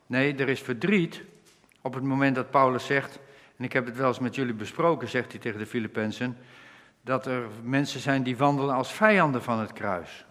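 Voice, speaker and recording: A man delivers an earnest sermon, explaining Bible passages line by line. His voice sits in a middle register and carries a long reverb from the hall. He slows down to quote scripture. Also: medium pitch, a bit bright. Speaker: preacher.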